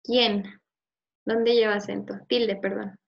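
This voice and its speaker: Woman teacher, kinda high voice, patient, repeats stuff slow, muffled lo-fi sound. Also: steady tone. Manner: patient, quizzing and repeating words slowly. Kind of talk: one-on-one review lesson. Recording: slightly muffled lo-fi audio.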